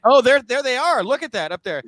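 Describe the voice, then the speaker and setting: A man's voice: very high-pitched, big pitch swings, a little fast, fairly bright tone, dry recording. A man hosting a casual interview over a video call, chatty and self-deprecating. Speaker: interview host.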